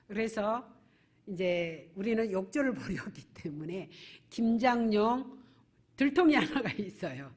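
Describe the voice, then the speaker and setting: A woman pastor preaching a sermon at a church service, posing rhetorical questions to her congregation. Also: medium pitch.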